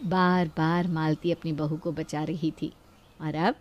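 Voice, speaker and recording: A woman narrating a family story in a calm, scripted way. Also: low-pitched, unhurried, highs cut off.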